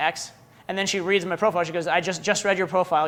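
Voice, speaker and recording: With an American accent, a man talks very fast with fairly even intonation. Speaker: dating coach. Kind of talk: workshop lecture. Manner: casual, filler-heavy.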